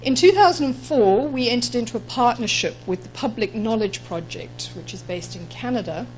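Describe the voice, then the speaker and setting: A woman's voice: a little high, expressive, a little mellow, a little hiss or hum, poor audio. Zimbabwean woman giving a conference talk. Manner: measured, explanatory, frequent ums. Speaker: conference speaker. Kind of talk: conference presentation. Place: conference room.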